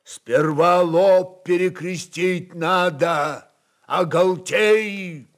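Man acting a stern, scolding churchman, slow and emphatic. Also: high-pitched, pitched above the performer's own voice. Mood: stern, indignant. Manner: stern, commanding. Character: stern elderly church metropolitan, scornful and scolding. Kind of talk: dramatised literary reading.

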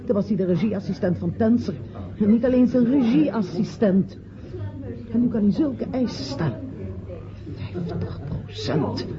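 An actress playing an aggrieved, sharp-tongued, demanding woman in a Dutch radio play. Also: medium pitch, animated, a little slow, a crowd in the background, close to an everyday voice. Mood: indignant, bitter. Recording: muffled old radio play, people murmuring behind.

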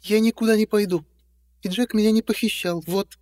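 A man voicing a brave, stubborn young woman in an audiobook, with high, insistent protests. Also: fairly even intonation, a little fast, a little mellow, big-room sound, close to an everyday voice. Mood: defiant. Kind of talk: audiobook reading.

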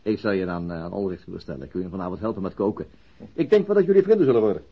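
An actor playing an awkward, evasive middle-aged male police detective in a naturalistic radio play, hesitant and halting. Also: low-pitched, lively intonation, husky, exaggerated voice. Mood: earnest. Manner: hesitant, halting, repeats words. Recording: dull lo-fi radio recording.

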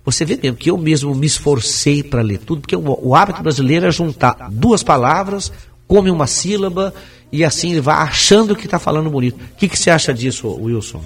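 A man hosting a radio discussion, explaining in a measured way and sometimes reading aloud with careful articulation. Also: fairly high pitch, expressive, husky. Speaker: program host.

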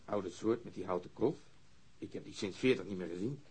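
An actor playing a gruff, sarcastic police detective in a naturalistic radio drama. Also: male voice, on the low side, a little fast, darkish tone. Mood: dry interest. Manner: sardonic.

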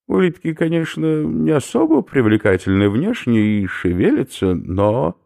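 A man's voice: medium pitch, sing-song, unhurried, creaky, warm tone, pitched above the performer's own voice. A man voicing a pedantic elderly male professor who lectures in a genteel, pompous way. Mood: indignant.

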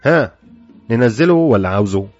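A man's voice: on the low side, animated, quick pace, darkish tone, breathy edge. A man voicing a sardonic, blunt male doctor with an Egyptian accent, mocking and matter-of-fact. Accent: Egyptian Arabic. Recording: dull lo-fi with faint music.

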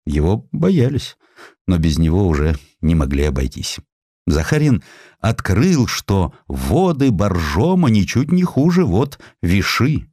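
A man narrating a literary audiobook in an expressive, dramatic and emphatic storytelling manner. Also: low voice, dry recording, studio quality.

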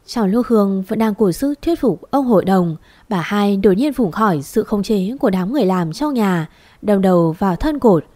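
A woman's voice: mid-range voice, animated, normal speed, mellow. A woman narrating a dramatic family story, reading every character's lines herself.

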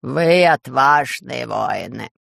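A man voicing a sly, soft-spoken male tyrant ruler in an audiobook, speaking slowly in a hushed, purring way. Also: mid-range voice, expressive, creaky, dry recording, clean studio sound, pitched below the performer's own voice, exaggerated voice. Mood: silky menace. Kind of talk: audiobook character voice.

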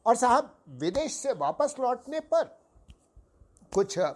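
Older guy w a hoarse throat telling an old story real slow, pitch goes up and down a lot, calls everyone sahib. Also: sing-song, darkish tone. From Uttar Pradesh, India. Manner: formal, courteous, keeps addressing listeners as sahib. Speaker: podcast host.

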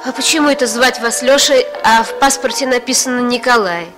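A woman's voice: a little high, fairly even intonation, fairly quick, over music, close to an everyday voice. An actress playing a kind, curious woman who coaxes stories out of her guest, in 1960s radio drama style.

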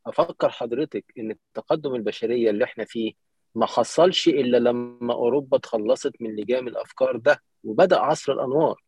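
A man's voice: medium pitch, quick pace, darkish tone, husky, no room sound, lo-fi sound, natural voice. A man with an Egyptian Arabic accent, acting a young man who argues for free thought. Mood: argumentative. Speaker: actor rehearsing a play.

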